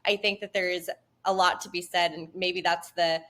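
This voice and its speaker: A woman hosting a podcast in a low voice for a woman. She talks in long, thoughtful stretches, leaning on "like" and "you know." The tone stays conversational throughout. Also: fairly even intonation, moderate pace, fairly bright tone. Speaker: podcast host.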